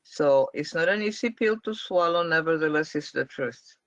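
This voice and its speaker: A man's voice: on the high side, lively intonation, moderate pace, a bit bright, no echo. A man leading a spiritual question-and-answer class, explaining emphatically and repeating his points. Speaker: spiritual teacher. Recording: dull lo-fi dry sound.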